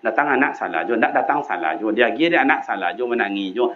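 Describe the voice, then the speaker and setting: A man preaching a sermon in a mosque with a Minangkabau accent, swinging between loud high calls and low quiet asides. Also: animated, quick pace, dull audio.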